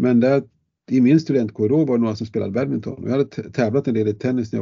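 A man speaks at a very fast pace, his pitch fairly low with ordinary pitch variation. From northern Sweden, Skellefteå area. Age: 70s. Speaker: sports science lecturer. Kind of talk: casual interview. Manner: talkative.

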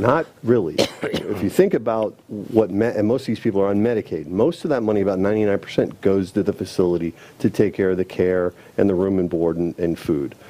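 A man with an American accent, fairly low pitch, dark, mellow tone, moderate pace and ordinary pitch variation. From Florida, Pinellas County. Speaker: home care sales and marketing director. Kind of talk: interview.

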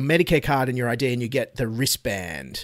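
A man speaks with an Australian accent. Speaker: comedy podcast host. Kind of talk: casual chat; comedic news commentary.

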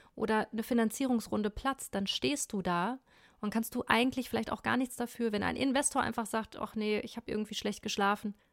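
A woman speaks in a plain, everyday voice, fairly high in pitch, at a fairly quick pace. Her intonation is fairly even, and the recording is very clean with a silent background. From Germany, Ostwestfalen near Bielefeld. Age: 30s. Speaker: TV journalist and presenter. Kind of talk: podcast interview, casual.

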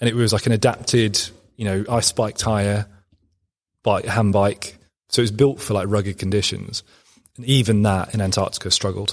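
In a very clean recording with a silent background, a man with a fairly low pitch talks at a moderate pace in a monotone, flat intonation, leaving long, frequent pauses. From England, East London. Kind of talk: interview conversation. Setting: quiet large room at an outdoor show, slight echo.

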